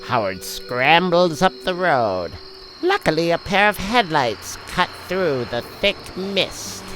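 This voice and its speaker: A woman's voice: lowish voice, very animated, takes it slowly, rough recording. A woman narrating as a campy comic book horror host in a theatrical, swooping delivery. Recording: music bed behind.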